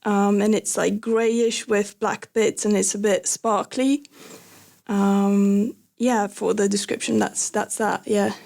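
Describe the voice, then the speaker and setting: Young woman, first language Lithuanian, podcast guest; slow, halting storyteller with soft laughs. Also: medium pitch, level tone, gravelly. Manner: hesitant, many fillers, laughs softly. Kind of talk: casual conversational storytelling.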